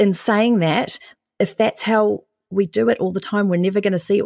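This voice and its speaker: A woman speaks with fairly even intonation and very even loudness. The sound is dry and close, with no echo. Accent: New Zealand. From New Zealand. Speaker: author and public speaker. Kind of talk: interview. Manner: fast talker.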